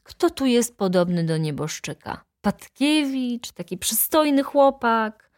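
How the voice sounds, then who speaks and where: A woman's voice: on the high side, very animated, takes it slowly, no room sound, clean studio sound, voice pushed up. A woman voicing an insolent young male student who speaks with sugary, mocking sweetness.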